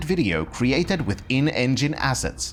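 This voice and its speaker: A man with a non-native accent. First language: not English. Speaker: video game reviewer. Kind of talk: scripted narration.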